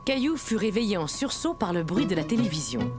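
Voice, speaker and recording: A woman's voice: medium pitch, big pitch swings, a little fast, lightly acted. A woman narrating a children's cartoon as a kindly storyteller, reading a scripted tale. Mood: gentle narration. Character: kindly storyteller narrating a small boy's adventures. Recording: music under the voice.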